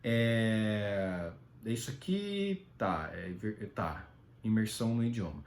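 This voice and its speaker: A man's voice: on the low side, expressive, slow pace. A Brazilian man giving rambling, casual solo commentary, full of fillers and tag questions.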